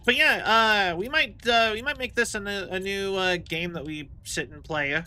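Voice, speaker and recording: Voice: medium pitch, moderate pace, sharp tone, faint music behind. A game streamer giving casual live commentary, rambling and thinking aloud while playing. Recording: clear game noise behind voice.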